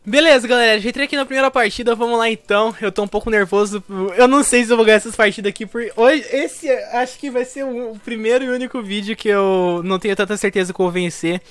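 A young Brazilian man giving casual, slangy commentary over his own gameplay, excitable at first and quieter once he is playing. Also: high-pitched, dry recording. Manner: slangy, excitable intro then quieter focused play talk. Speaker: gaming YouTuber.

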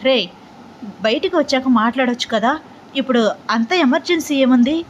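A woman voicing a calm, sarcastic young man who needles his cousin in an audio story. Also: sits high, normal speed, dull audio, slight background noise, lightly acted. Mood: needling.

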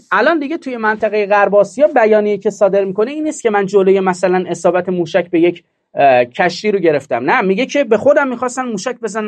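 Emphatic high-voiced male commentator. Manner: emphatic, rhetorical questions, mocking. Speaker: political commentator host. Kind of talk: monologue commentary.

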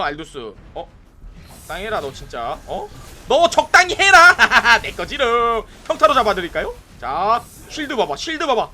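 Young male game streamer with a high, lively, swooping delivery. Excitable, breaks into shouts at teammates, and chats with viewers between plays. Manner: excitable, yelling bursts at teammates, chatting to viewers. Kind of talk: live gameplay commentary.

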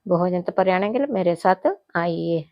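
A woman's voice: on the low side, fairly even intonation, dry recording, highs cut off. Woman teaching Hindi. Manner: repeats each phrase slowly, then explains. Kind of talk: spoken language lesson.

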